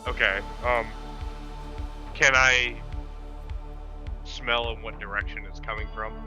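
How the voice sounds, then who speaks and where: A man's voice: fairly low pitch, fairly even intonation, slow pace, pushed and bright, faint music behind. A man chatting casually as a player in a tabletop roleplaying game. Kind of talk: casual chat in game play.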